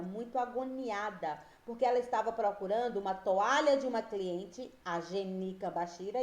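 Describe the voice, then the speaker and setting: A woman teacher, giving a slow and patient reading and spelling lesson to young children, often checking whether they follow. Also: medium pitch, darkish tone, echoey room. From Brazil. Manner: slow, patient, drawn-out words, frequent checks with pupils. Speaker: primary school teacher.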